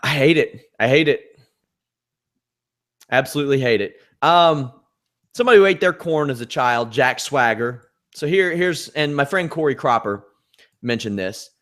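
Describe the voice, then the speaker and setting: A man's voice: medium pitch, lively intonation, normal speed, fairly bright tone. Nasal-voiced man, wry podcast co-host. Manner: wry, sarcastic asides. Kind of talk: casual wrestling chat.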